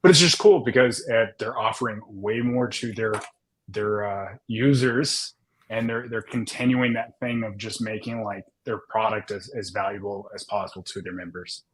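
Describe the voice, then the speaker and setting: A man's voice: on the low side, moderate pace, slight background noise, poor audio. A man in his twenties co-hosting a casual podcast, rambling through explanations with many restarts. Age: 20s. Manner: rambling, lots of restarts and fillers. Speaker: podcast co-host. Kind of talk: casual finance discussion.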